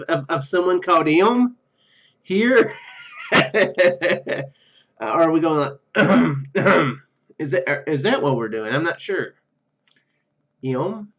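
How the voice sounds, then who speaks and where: Over game music, a YouTube gamer with a slightly high voice gives casual let's play commentary and reads the game's text aloud. He's hesitant and rambling, often repeating his phrases, and the audio sounds dull.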